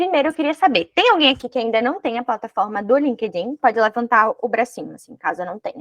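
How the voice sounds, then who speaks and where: A woman with a high pitch talks at a very fast pace with hardly any pauses, very wide pitch swings and big swings in loudness. The sound is dry and close with no echo. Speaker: recruiter and mentor. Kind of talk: online workshop presentation. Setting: video call.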